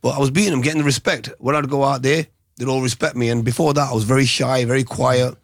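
A middle-aged former boxer answers questions in a soft, halting way, full of ums and restarts. His pitch sits in the middle and the sound is dry and close. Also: fairly even intonation, gravelly, dry recording. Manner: soft-spoken, hesitant, many ums and restarts. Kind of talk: interview, recalling his past.

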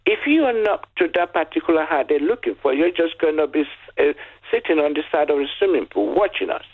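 A man's voice: on the high side, a little fast. An older man from Nigeria with a Nigerian accent and Yoruba as his first language, telling a story as a caller on a radio phone-in. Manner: storytelling, lively, with restarts. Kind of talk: phone-in chat. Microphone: telephone. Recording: tinny phone line.

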